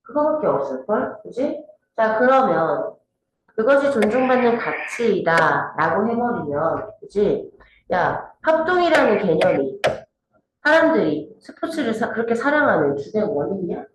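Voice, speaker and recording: A woman's voice: mid-range voice, big pitch swings, a little slow. A woman teaching an exam-prep English grammar lesson, often checking in with her students. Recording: very echoey room with faint noise.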